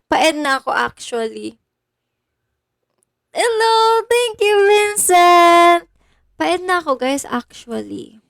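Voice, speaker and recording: Lively high-voiced young woman livestreaming. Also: slow, gravelly, long pauses, no room sound, studio quality. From Bulacan, Philippines. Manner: chatty, thanks viewers by name, code-switches in English. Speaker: idol livestreamer. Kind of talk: casual livestream chat.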